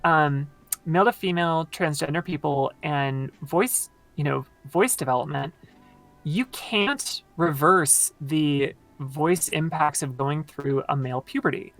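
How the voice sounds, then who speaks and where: A woman with a very low voice, explaining at length in casual conversation with many fillers, her voice tired from long talking. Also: unhurried, soft background music, low-quality recording. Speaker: podcast guest.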